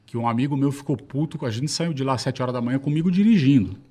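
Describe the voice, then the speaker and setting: Fast-talking man telling podcast stories. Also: warm tone, husky. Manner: rapid, laughing, drops to a low mutter in asides. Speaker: podcast host, former show producer. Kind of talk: casual storytelling chat.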